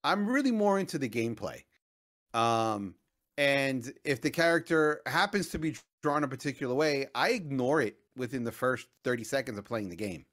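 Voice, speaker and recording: Male podcast co-host, mid-pitched, blunt, jokey, casual chat. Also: expressive, moderate pace, fairly bright tone. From Latin America.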